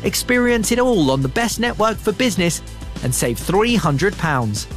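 A man's voice: high voice, big pitch swings, normal speed, soft background music. A man reading a scripted radio advert in an upbeat, salesy voice-over. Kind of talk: scripted ad read.

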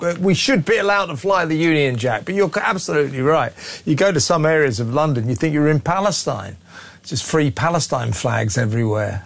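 A man hosting a radio phone-in show, opinionated and quick to cut in on callers. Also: on the high side. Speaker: radio talk show host.

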